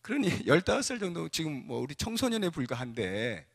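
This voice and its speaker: A male pastor preaching a sermon in a church sanctuary. He is animated, swinging from soft asides to fervent exclamations as he acts out scripture characters. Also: fairly high pitch, fairly quick, vocal fry, in a large hall.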